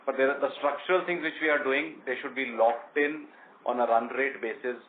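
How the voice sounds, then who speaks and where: A man with an Indian accent answering questions as a company executive on an earnings conference call, explaining in a measured, halting way. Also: mid-range voice, steady tone. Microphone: conference call line. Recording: tinny conference phone line with noise.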